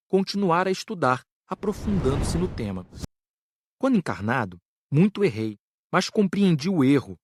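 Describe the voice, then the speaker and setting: A man with a Brazilian accent playing an earnest spirit doctor who lectures on an audiobook, measured, didactic and carefully enunciated. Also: on the high side, husky, dry recording, clean studio sound. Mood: reflective, earnest. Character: Frederico, earnest spirit doctor teaching karma.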